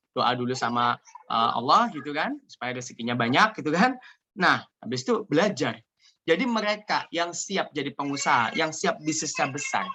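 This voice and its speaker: A man from Indonesia giving an energetic, joking motivational business talk over a video call. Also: medium pitch. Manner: energetic, joking, repeats "ya" often. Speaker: seminar speaker.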